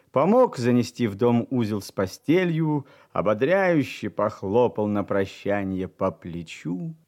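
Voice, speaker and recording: Male audiobook reader, reflective literary narration, lively pitch. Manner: reflective, lively varied intonation, soft drops in volume.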